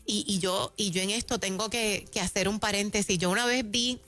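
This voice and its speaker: A woman's voice: medium pitch, fairly even intonation, fairly quick, a bit bright, faint music behind. A woman with a Puerto Rican accent giving a conversational faith teaching on Christian radio, chatty and laughing between points.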